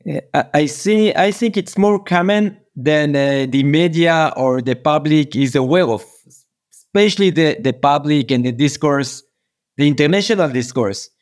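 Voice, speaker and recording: Higher-pitched Israeli man, halting delivery. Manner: halting, earnest, repeats words. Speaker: interview guest, peace activist. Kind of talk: conversational, personal testimony.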